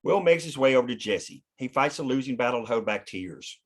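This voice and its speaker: A man's voice: mid-range voice, animated, brisk. A man reading scripted stage directions plainly in the present tense, as narrator at a table read.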